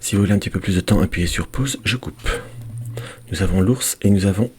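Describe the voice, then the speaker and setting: Hoarse, very low-voiced male card reader; chatty weekly guidance, faint hiss. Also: fairly quick. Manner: chatty, addresses viewers as dear friends; counts cards aloud softly. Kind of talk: weekly tarot guidance video. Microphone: desk microphone.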